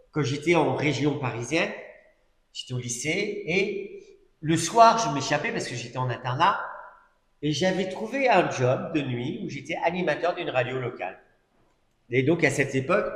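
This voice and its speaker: A middle-aged man giving a sermon as a personal testimony, telling his story conversationally with asides and fillers. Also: fairly high pitch. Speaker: preacher. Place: church hall. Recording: echoey church hall recording.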